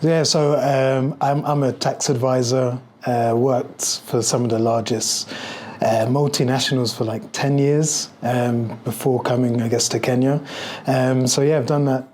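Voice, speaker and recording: A man, speaking calmly and steadily as an interview guest. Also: mid-range voice, a little hiss or hum. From London, UK. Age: 30s. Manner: calm, measured, with ums. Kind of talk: casual interview chat.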